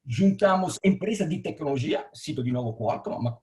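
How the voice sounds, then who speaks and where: Italian-accented man, halting and explanatory. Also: a little high, expressive, darkish tone. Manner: halting, repeats words and restarts, explanatory. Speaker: telecom engineering director. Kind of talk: interview answers on a live stream.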